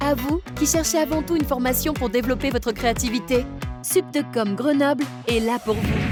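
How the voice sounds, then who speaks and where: Music plays in the background as a woman speaks at a moderate pace with a high pitch. Her intonation is lively and her loudness very even. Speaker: voice actor. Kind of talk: TV commercial read. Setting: studio.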